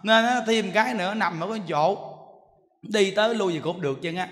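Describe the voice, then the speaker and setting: A male monk giving a lively sermon, telling stories with laughter and mimicking voices. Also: high voice, fairly quick. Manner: animated storytelling, laughing, mimicking others. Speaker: monk giving a dharma talk. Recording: long hall reverb, faint background noise.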